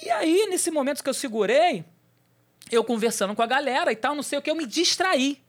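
A man's voice: very high-pitched, very animated, brisk, fairly bright tone. A man sharing a personal testimony on a church talk show, telling the story with energy and acting out the voices of people in it.

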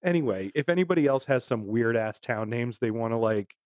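A man's voice: medium pitch, expressive, fairly quick, no echo, studio quality. A man from Massachusetts co-hosting a podcast in casual chat, telling stories in a rambling way and laughing often. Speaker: podcast co-host.

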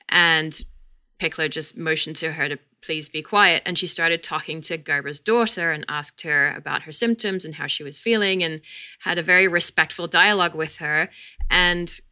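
A woman hosting a podcast interview, explaining things in a relaxed, conversational way with light laughs. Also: low voice, smooth. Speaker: podcast host.

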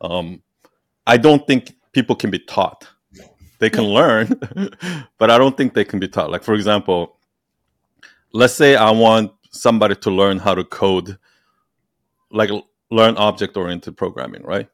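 Low-voiced man hosting a casual podcast. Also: measured pace, pauses often, no room sound, studio quality. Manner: loose and rambling, full of "like" and restarts. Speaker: podcast host.

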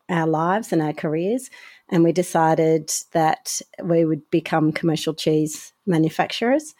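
Australian woman farmer, lower pitch, unhurried interview guest. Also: dark tone. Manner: unhurried, thoughtful, with small restarts. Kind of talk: casual interview talk.

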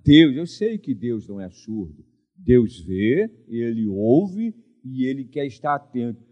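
An older man preaches a sermon as a pastor in an unhurried, mid-range voice, and the recording sounds muffled. His delivery is animated, full of call-and-response questions and frequent requests for an amen from the congregation.

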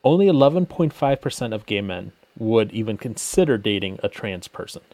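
A man's voice: lowish voice, very animated, brisk, darkish tone, no room sound. A man co-hosting a casual commentary chat, sarcastic, reading headlines and figures aloud with lots of fillers. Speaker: podcast co-host.

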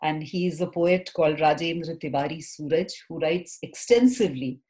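Woman guest, lowish voice, thoughtful and halting. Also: darkish tone. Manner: thoughtful, with frequent restarts and hesitations. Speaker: poet and theatre practitioner guest. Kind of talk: reflective interview answers.

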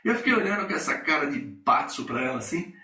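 A middle-aged Brazilian man with a Brazilian Portuguese accent and a fairly high voice talks quickly on his coaching podcast. He tells a workplace story in an animated monologue, acting out the people involved, recorded far from the mic in an echoey room.

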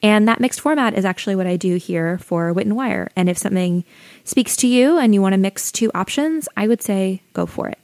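A young adult woman with a soothing voice, hosting her own podcast and calmly giving friendly advice like a teacher. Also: mid-range voice, brisk, dry recording. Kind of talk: solo educational podcast talk.

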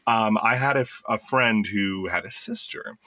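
A man co-hosting a podcast as a game master, telling lively stories. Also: fairly low pitch, moderate pace, no room sound. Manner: lively storyteller, animated and joking. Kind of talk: casual podcast chat.

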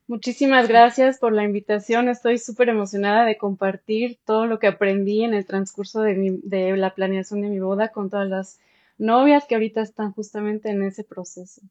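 A German woman, a former bride, is interviewed on a remote call and tells her own story casually and enthusiastically. Her mid-range voice is steady and darkish at a moderate pace, with no echo, though the audio is slightly dull.

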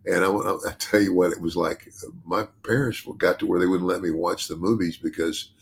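An older man, chatting on a podcast in a halting way, repeating himself and laughing often. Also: steady tone, vocal fry, breathy edge. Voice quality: deep bass voice. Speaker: podcast host and retired wrestler. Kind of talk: casual podcast chat.

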